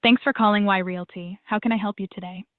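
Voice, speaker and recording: A synthetic woman's voice answering calls as a receptionist, polite, even and formulaic. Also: mid-range voice, fast talker, very noisy. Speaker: AI phone receptionist. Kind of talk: scripted phone answering. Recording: dry tinny phone line.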